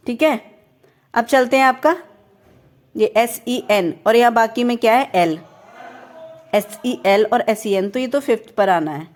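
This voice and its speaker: A young woman from India teaching a reasoning lesson, working through questions step by step and checking with the viewer. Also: fairly high pitch. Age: young adult.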